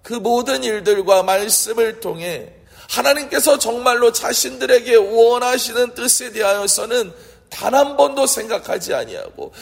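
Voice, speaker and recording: A man's voice: high-pitched, vocal fry, husky. A man preaching a sermon as a pastor, earnest and fervent, asking rhetorical questions. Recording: long hall reverb.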